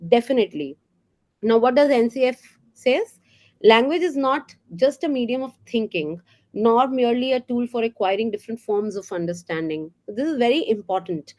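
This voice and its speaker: A woman's voice: a little high, darkish tone. Indian woman giving a teacher training talk. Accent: Indian English. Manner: earnest, explanatory, with frequent fillers and rhetorical questions. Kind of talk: professional development talk for teachers.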